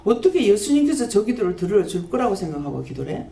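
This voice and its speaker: A woman pastor, preaching a sermon and scolding with rapid-fire rhetorical questions. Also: mid-range voice, sing-song, gravelly, warm tone. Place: prayer house church. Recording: echoey church hall, faint background noise.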